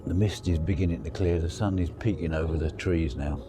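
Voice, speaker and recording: A very deep-voiced man, croaky from the cold, muses aloud in a relaxed, rambling way beside a lake. The outdoor recording carries clear, steady background noise. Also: brisk. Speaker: angler vlogger. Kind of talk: casual spoken fishing diary.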